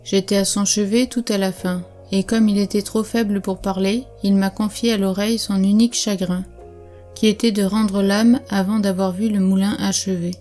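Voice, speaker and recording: A woman reading the part of a scheming male pig in a storybook, in a soft, hushed, mock-mournful delivery. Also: medium pitch, little pitch movement, normal speed, soft background music, lightly acted.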